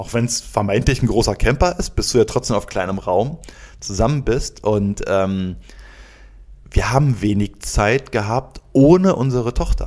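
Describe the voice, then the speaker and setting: A man at medium pitch, lively in intonation, fairly slow in pace, with long, frequent pauses. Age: 30s. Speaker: podcast co-host. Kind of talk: casual chat. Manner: halting.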